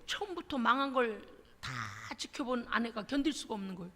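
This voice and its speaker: Animated woman pastor preaching in echoing church. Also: a little high, brisk. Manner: animated, acts out quoted voices, laughs often. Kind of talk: sermon. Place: church sanctuary. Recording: long church reverb.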